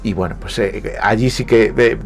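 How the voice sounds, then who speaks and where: Speaking at normal speed in a low, steady, gravelly voice, a Galician guest writer with a Spanish accent gives a reflective radio interview in the studio, frequently hesitating and repeating words.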